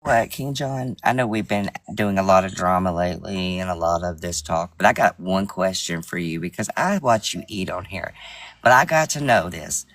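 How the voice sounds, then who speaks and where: A chatty man calls into a livestream, peppering the host with curious questions. His voice is very deep. He sits back from the mic, and the sound is dry. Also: normal speed, a bit bright, dry recording, far from the mic. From Puerto Rican background. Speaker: caller. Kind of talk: casual chat.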